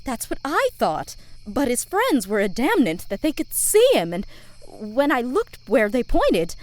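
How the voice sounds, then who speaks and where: A woman playing a worried, frustrated mother pony in an amateur audio drama, with expressive delivery. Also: a little high, a little slow. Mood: weary, upset.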